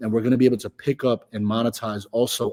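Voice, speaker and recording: Dry, close audio with no echo around a man's dark, mellow tone. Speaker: crypto project founder. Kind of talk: interview. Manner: fast; animated.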